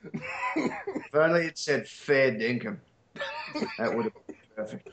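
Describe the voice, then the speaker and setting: Broad Australian man, relaxed co-host, dry wit, reverberant room. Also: medium pitch, unhurried, noisy background. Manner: laid-back, explains slang with dry humor. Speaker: podcast co-host. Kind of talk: casual chat.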